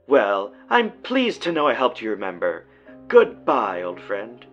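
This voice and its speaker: An actor playing a deranged, gloating villain in an audio drama, mockingly polite and theatrical, savoring florid phrases. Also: male voice, on the low side, wildly swooping pitch, unhurried, muffled recording, music in the background. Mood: silky menace. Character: gloating, theatrical, deranged male villain taunting an old rival.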